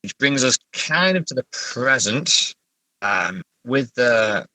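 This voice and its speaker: A man's voice: medium pitch, animated, slow, bright, forceful tone, dry recording, poor audio. A middle-aged man with an English accent, an author being interviewed, talking casually in a hesitant, thoughtful, understated way. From England.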